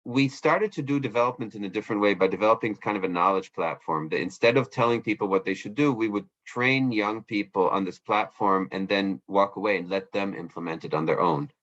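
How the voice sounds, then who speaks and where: Low-voiced middle-aged man, slightly muffled. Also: brisk, few pauses, a bit bright. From Israel, East Africa and Switzerland. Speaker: interview guest, hostage negotiator and lawyer. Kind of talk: reflective conversational interview answers.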